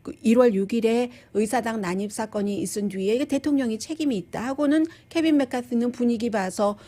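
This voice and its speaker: A woman's voice: a little high, fairly quick, mellow. A woman hosting live news commentary, explaining things in a conversational way with restatements and quoted asides.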